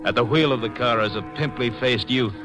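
A man with an American accent narrating a 1950s radio drama in a measured, terse way. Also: mid-range voice. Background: music.

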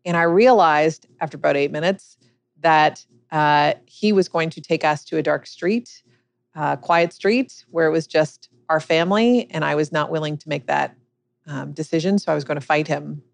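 A woman's voice: deep voice, normal speed, gravelly, dry recording. A middle-aged woman, a business coach and author, earnestly recounting a personal story as a podcast interview guest.

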